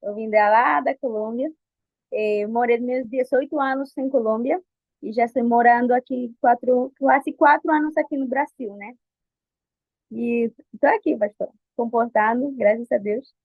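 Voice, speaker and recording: This interview guest is a Colombian woman in her twenties speaking Portuguese as a second language, her Colombian Spanish accent clear. She talks a little slowly in a highish voice, giving nervous, hesitant personal answers full of restarts. The audio is dry and phone-like, with no room sound.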